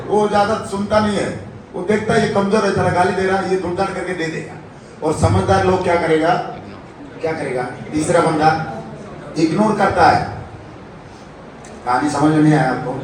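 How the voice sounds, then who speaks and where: A man's voice: high-pitched, a little hiss or hum. A man giving a motivational talk to college students, lecturing and throwing rhetorical questions at the room. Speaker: motivational speaker. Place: college hall. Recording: roomy hall, voice from far off.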